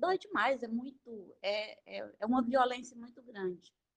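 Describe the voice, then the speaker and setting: A woman speaks in a normal speaking voice at a fairly high pitch. Her pace is fairly slow. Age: 60s. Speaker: study group participant. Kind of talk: casual chat.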